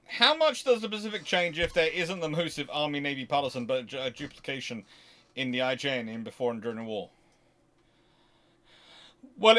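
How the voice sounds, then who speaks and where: Male history stream host, mid-pitched, casual and unscripted, digressive, hesitant delivery with frequent self-corrections. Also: fairly bright tone. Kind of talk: casual unscripted question-and-answer talk.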